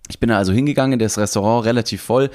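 Man, podcast co-host, casual storytelling, mid-range pitch, enthusiastic, repeats himself. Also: racing, darkish tone. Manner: enthusiastic, rambling, with many repeats.

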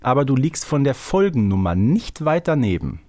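A man's voice: medium pitch, very animated, normal speed, mellow. Chatty, teasing male podcast co-host, mid-range. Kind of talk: casual quiz banter.

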